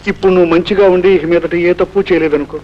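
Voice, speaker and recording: A man's voice: high-pitched, steady tone, rapid-fire, natural voice. A man playing a chatty jovial police constable. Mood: kindly. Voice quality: chatty, teasing, laughing easily. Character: jovial talkative middle-aged male police constable. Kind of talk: 1970s Telugu film acting. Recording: dull old film soundtrack with music.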